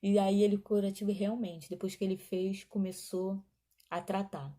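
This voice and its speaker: A woman's voice: mid-range voice, little pitch movement, normal speed, warm tone. A woman pastor giving an emotional testimony in a sermon, talking straight to the congregation. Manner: emotional storytelling, addresses congregation as brothers.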